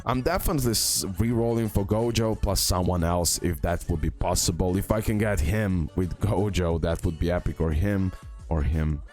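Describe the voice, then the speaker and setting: Deep voice guy, casual gaming youtuber thinking out loud, bit of music behind. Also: normal speed. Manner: hesitant, thinking aloud, repeats phrases for emphasis. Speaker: video game YouTuber. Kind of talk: casual game tier-list commentary. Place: indoor screen-recording voice-over.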